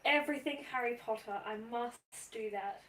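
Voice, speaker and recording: A woman's voice: fairly high pitch, normal speed, a bit bright. A young Australian woman with an Australian accent, chatting playfully on a livestream in a small bedroom. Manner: playful, talkative. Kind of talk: casual live-stream chat. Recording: roomy distant webcam audio with faint noise.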